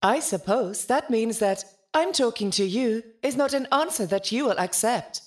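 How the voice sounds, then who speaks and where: Woman acting prim, pedantic ship's intelligence, higher-pitched. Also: lively intonation, moderate pace, darkish tone, lightly acted. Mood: measured, polite. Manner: formal, pedantic, dryly polite. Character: prim, evasive, literal-minded ship's intelligence named Al. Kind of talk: scripted science-fiction audio drama acting.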